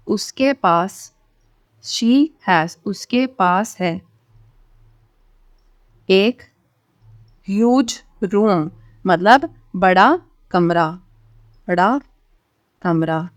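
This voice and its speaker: Indian woman, language teacher, unhurried and instructional, medium pitch, very dry recording. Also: dry recording. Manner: instructional, often checking in with short tags. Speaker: English teacher, channel host. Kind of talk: step-by-step language lesson with word-by-word translation.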